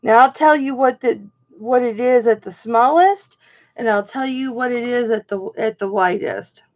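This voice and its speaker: A woman hosting a casual live jewelry auction, greeting viewers by name and chatting as she counts down bids, her voice a little hoarse. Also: a little high, moderate pace, dull audio. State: slightly hoarse.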